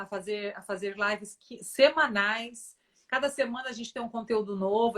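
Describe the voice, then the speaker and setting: A woman's voice: a little high, a bit bright. A woman hosting a casual live stream, chatty and addressing viewers directly. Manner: chatty, fillers like né, talks to audience.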